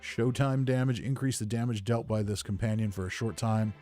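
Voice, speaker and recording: Male let's-play narrator: relaxed dark tone, easygoing, thinks aloud, soft music underneath. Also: on the low side, fairly quick. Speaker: gamer narrating playthrough. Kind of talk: casual game commentary.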